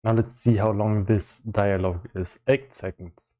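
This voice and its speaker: A man giving casual live-stream commentary as he works on a game, thinking aloud in a halting way with repeated words. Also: fairly low pitch, fairly even intonation, mellow. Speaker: solo game developer streaming.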